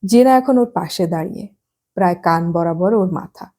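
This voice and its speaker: A woman narrating a novel as an audiobook, reading at an unhurried pace and lightly acting out the dialogue. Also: on the low side, warm tone.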